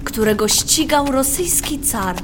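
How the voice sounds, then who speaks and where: A young female storyteller played by an actress narrates a radio play in a high voice. Her delivery is very slow and measured, over clearly audible background noise. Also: animated. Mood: reflective. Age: child or teenager. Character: storyteller recalling a mining town's rumours.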